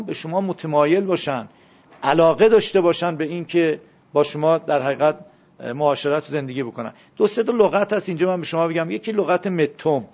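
A man's voice: a little high, darkish tone. A man teaching a classroom lesson, questioning his students and drilling word forms aloud. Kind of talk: classroom lesson on Arabic grammar. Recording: dull lo-fi classroom recording.

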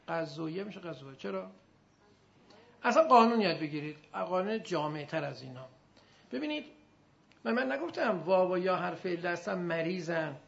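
A man teaching Arabic grammar in a classroom, chanting verb forms in rhythmic drills and firing quick questions at his students. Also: high voice, creaky. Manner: recites verb forms in a loud rhythmic chant, then drops to quiet asides. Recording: dull lo-fi recording with faint background noise.

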